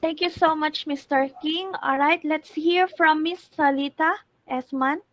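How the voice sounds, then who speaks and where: A woman's voice: sits high, steady tone, measured pace, fairly bright tone, rough recording. A woman moderating an international online class, calling on questioners and formally reading out speaker introductions. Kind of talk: formal event hosting.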